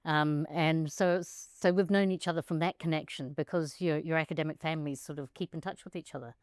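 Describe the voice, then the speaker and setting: A woman's voice: steady tone, a little fast, dry recording, clean studio sound. A woman co-hosting an academic interview, chatty and playful, who teases her co-host and then asks her guest questions, outdoors by a pool. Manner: warm, chatty and teasing, rising pitch when she asks questions. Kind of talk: conversational podcast chat.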